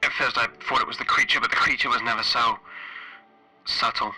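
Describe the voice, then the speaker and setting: A stranded spaceship engineer acted by a man records a log in a very bright, tense voice with a radio-like edge. He is weary and guilt-ridden, speaking haltingly and doubting himself. Music plays behind this horror roleplay. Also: medium pitch, fairly even intonation, husky, rough recording. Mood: uneasy, haunted. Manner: halting, hesitant, self-questioning. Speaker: solo tabletop RPG player.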